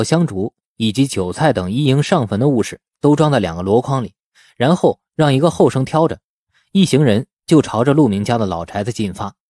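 Guy reading an audiobook novel, really lively pitch, soft husky mellow voice. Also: no echo, clean studio sound. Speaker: audiobook narrator. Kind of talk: scripted novel narration.

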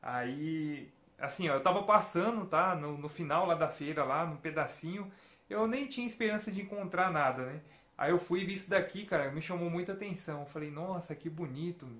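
Chatty Brazilian man, slightly high voice. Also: fairly quick, a bit bright, reverberant. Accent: Brazilian Portuguese. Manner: chatty, storytelling with many tag questions. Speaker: retro gaming vlogger. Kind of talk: casual chat to camera. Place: home room with shelves of games and toys.

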